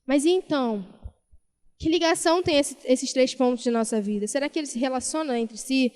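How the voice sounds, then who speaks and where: A woman preaching a Sunday sermon in a church, her high voice smooth and clear. She tells stories and repeats key phrases for emphasis, and the reverb of the hall trails after her words. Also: a little fast, a little mellow. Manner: storytelling, emphatic repetition.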